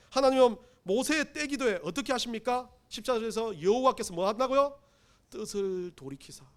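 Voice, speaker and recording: A man's voice: very high voice, fairly bright tone. A man preaching a sermon as pastor, emphatic, acting out pleading quotes, with self-deprecating asides. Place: church sanctuary.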